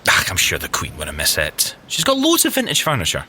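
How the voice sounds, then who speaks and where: An actor playing an excitable, geeky young Scottish tech agent in an audio drama, enthusiastic, fussy and expressive. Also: male voice, low-pitched, a little fast, a little hiss or hum, heavily acted. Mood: businesslike.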